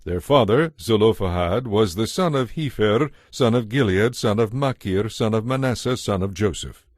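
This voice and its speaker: A man giving a measured, formal narration of scripture from a script. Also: lowish voice, no room sound, studio quality. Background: music.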